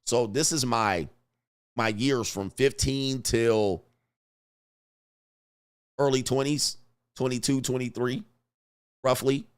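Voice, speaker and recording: A man's voice: mid-range voice, steady tone, takes it slowly, long pauses, smooth. A middle-aged man from Southern California, hosting a casual livestream and reading viewer super chats with laughing, mocking asides.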